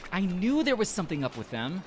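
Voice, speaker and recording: An easygoing male friend in a podcast drama. He is chatty and speculative, with lively swings in a mid-range voice. Faint ambient noise lies behind. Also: high voice, a little fast. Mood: indignant. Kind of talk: audio drama dialogue.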